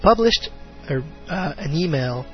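In a muffled, lo-fi recording with faint music, a podcast host with a fairly high, expressive voice talks unhurriedly on his casual fan show. He rambles, filling gaps with fillers and frequent restarts.

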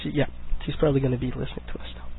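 Husky sick-voiced man hosting a web show. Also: mid-range voice, flat delivery, rapid-fire. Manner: chatty, joking, rambling. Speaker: podcast host. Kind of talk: casual chat. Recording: lo-fi phone-like internet stream.

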